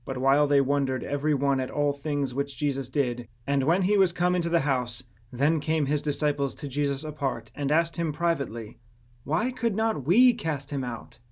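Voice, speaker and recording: A man narrating a scripture audiobook in a solemn, measured storytelling manner. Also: medium pitch.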